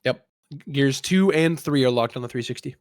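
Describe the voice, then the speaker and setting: A man's voice: medium pitch, normal speed. A man co-hosting a casual gaming podcast, talking insistently and often repeating his phrases to get his point in. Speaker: podcast co-host.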